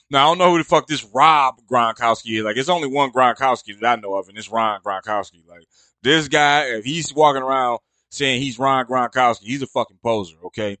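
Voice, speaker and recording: A man in the middle of a casual podcast rant, swearing freely and mocking what he reads. His voice sits at an ordinary middle pitch. The sound is dry and close, with no room echo. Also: normal speed, bright, forceful tone. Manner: profane, mocking, exasperated rant. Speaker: podcast host. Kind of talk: casual ranting commentary.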